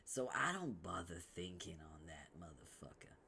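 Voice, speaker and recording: A man's voice: sits low, very animated, normal speed, gravelly, a little hiss or hum, exaggerated voice. Gamzee, a man doing a drawling stoner troll. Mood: mellow. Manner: drawling, mellow, swears constantly. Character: laid-back, foul-mouthed young male troll clown.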